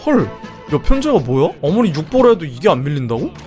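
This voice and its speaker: Lively young man commenting on a game. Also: fairly high pitch, quick pace, over music. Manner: lively, swearing, exclaiming at the game. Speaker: streamer.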